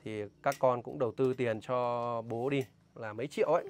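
A man's voice: mid-range voice, fairly even intonation, moderate pace, slight background noise. A man with a northern Vietnamese accent vlogging outdoors, talking emphatically and indignantly as he warns about a scam and questions a local. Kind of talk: casual outdoor vlog talk, interviewing a local.

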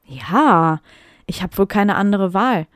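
Here is a moody, determined teenage boy wizard, read aloud by a woman. His storybook lines come in a plain voice, a bit louder than normal talk. The sound is dry and close. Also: medium pitch, animated, takes it slowly, dry recording. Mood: defiant. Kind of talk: reading aloud from fan fiction.

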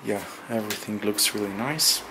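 A man narrating a casual walk-through vlog in a halting, hesitant way with drawn-out pauses, recorded indoors on a handheld camera. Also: lowish voice, very noisy. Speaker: vlogger. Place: bare room under renovation, indoors, windows open.

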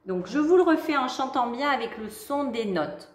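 A woman's voice: high-pitched, expressive, moderate pace, reverberant. A woman teaching a music theory lesson to young children, explaining patiently, counting beats and singing note names. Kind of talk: online music lesson for kids.

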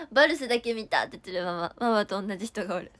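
High-voiced young woman, Kansai accent, coughing. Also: fairly bright tone. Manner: reads viewer comments aloud and thanks them. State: coughing, throat sore. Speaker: idol livestreamer. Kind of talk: casual livestream chat.

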